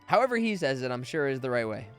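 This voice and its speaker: A man's voice: medium pitch, big pitch swings, fast talker, faint music behind. A man casually commentating on a game as he streams it, playful and rambling as he thinks aloud. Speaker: streamer, voice actor.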